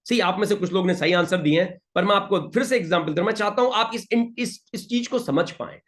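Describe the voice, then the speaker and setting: High-voiced, emphatic male trainer. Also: fairly bright tone. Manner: emphatic, coaxing, repeats pleas to the audience; reads out audience answers with quick praise. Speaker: motivational trainer. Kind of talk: interactive motivational session.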